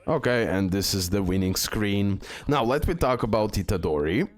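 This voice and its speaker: A man's voice: on the low side, animated, moderate pace, no room sound, faint music behind. A man talks through a mobile game's new characters in loose, rambling commentary. He repeats himself often and fills gaps with "uh". The recording is close and completely dry. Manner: rambling, repeats words, many fillers. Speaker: gaming video host. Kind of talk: casual game commentary.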